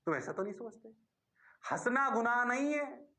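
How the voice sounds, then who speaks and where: Middle-aged male physics teacher, Rajasthani accent, high-pitched, lively online lecture. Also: normal speed. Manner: animated, answers his own questions as the students.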